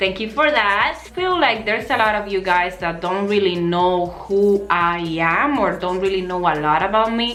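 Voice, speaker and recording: A woman with a Dominican accent talks at medium pitch and a moderate pace, with ordinary pitch variation and hardly any pauses. Audible room echo and noticeable background noise fill the recording. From Dominican Republic. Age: 20s. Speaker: lifestyle YouTuber. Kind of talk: casual vlog monologue. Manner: casual, filler-heavy.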